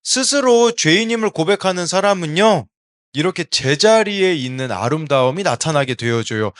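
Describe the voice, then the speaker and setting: A middle-aged man preaches an early-morning devotional sermon as pastor. His voice sits somewhat high and swings widely in pitch as he poses questions to the congregation. He weaves scripture readings into his talk. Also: expressive, moderate pace. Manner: reads scripture verses aloud within the talk.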